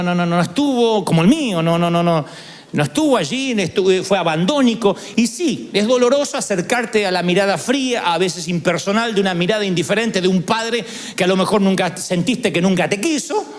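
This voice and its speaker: A male pastor, preaching a sermon through animated, humorous storytelling. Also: high voice.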